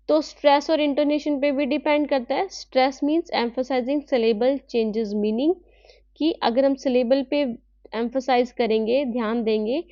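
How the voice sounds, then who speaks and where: High-voiced woman teaching an online class. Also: no room sound, lo-fi sound. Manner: explains slowly, reads English lines then explains in Hindi; asks rhetorical questions, tag "है ना".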